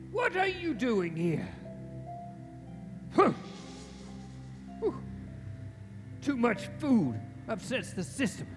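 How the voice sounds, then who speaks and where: Man acting as crabby old miser, high swooping voice, curt scolding delivery, theatrical radio play. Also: full character voice. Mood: startled, suspicious. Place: theater stage. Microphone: shared stage microphone. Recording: live stage recording with music.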